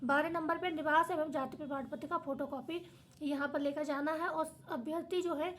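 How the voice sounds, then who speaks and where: Hoarse, tired high-voiced woman teacher. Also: fairly even intonation, normal speed, fairly bright tone, a little hiss or hum. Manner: reads notice then explains in plain words. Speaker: education channel host. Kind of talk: explaining official notice to viewers.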